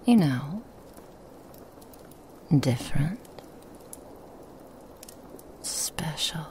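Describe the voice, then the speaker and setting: A woman voicing a seductive, sly female Christmas demon in an ASMR roleplay, whispering softly and teasing. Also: low voice, big pitch swings, extremely slow, a little hiss or hum, heavily acted. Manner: soft whispering, teasing and insinuating.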